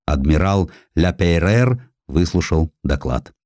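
Deep male audiobook guy, dramatic history narration, super expressive, dry close sound. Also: takes it slowly, no room sound.

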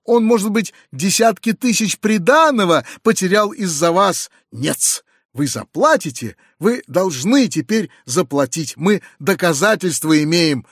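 A man reading an audiobook, voicing a shrill, furious middle-aged noblewoman in an indignant screeching tirade. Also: animated, normal speed, few pauses, darkish tone, slightly rough, no echo, studio quality. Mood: shrieking rage. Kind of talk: audiobook character voice.

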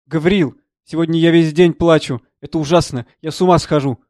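A man's voice: a little high, fairly even intonation, brisk, darkish tone, dry recording, studio quality, natural voice. A man voicing a distraught middle-aged woman, a professor's wife, tearful and pleading with her lover.

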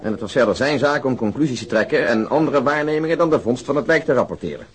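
An actor playing an animated police officer puzzling over a case with a colleague, in radio drama dialogue. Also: male voice, mid-range voice, fast talker, close to an everyday voice. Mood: puzzled, intent.

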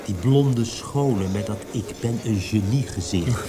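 A man's voice: on the low side, unhurried, natural voice. A man in a Dutch radio drama playing a chatty, teasing friend with a playful, conspiratorial manner. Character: chatty, teasing, romantic friend of a young poet. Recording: noisy, with ambience behind.

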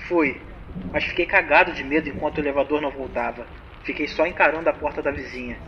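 A man's voice: on the high side, steady tone, fast talker, lo-fi sound, a little hiss or hum, close to an everyday voice. An actor playing a frightened young man who tells his story in slangy, breathless bursts. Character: scared young man leaving voicemails.

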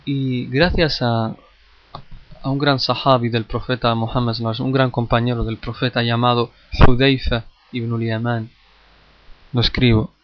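A man's voice: medium pitch, little pitch movement, normal speed, no echo, dull audio. A man teaching a lesson on Islamic history, addressing his listeners directly, often hesitating, repeating phrases and restarting words. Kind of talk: classroom lecture.

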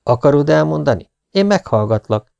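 A calm young DJ who speaks gently and reassuringly, voiced by a male narrator. His voice is slightly lifted, warm and gravelly, and it is recorded dry and close in a storybook reading. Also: a little high, dry recording, muffled recording, pitched above the performer's own voice. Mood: gentle. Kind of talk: audiobook character voice.

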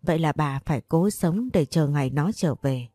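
A woman narrating a scripted story in a calm, measured way. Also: low voice, no echo. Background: faint music.

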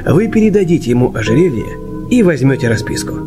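An actor playing a stern, authoritative older jeweller and father, grave and deliberate, in a radio play. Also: mid-range voice, sing-song, natural voice. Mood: instructing. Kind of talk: Russian radio play character acting. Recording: loud music under the voice.

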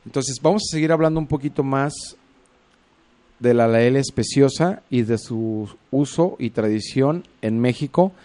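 A man's voice: medium pitch, moderate pace, dark tone. A man with a Mexican accent hosting a radio show, chatting casually and teasing his technician in a joking way. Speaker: radio host.

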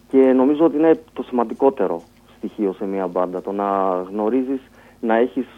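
A man, a band musician talking about his band in a radio interview, telling it in a relaxed way. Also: mid-range voice. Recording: tinny phone-like radio sound.

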